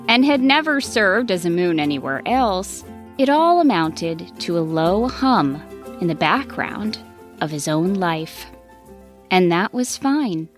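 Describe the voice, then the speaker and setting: A woman storyteller narrating a children's bedtime story expressively, in deliberate short phrases with dramatic pauses. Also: mid-range voice. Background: music.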